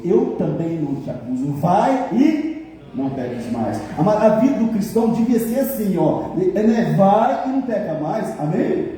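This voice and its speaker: A male pastor preaching a lively sermon, joking and keeps asking the congregation for amens. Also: a little high, a little hiss or hum. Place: large church hall. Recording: echoey hall from far off.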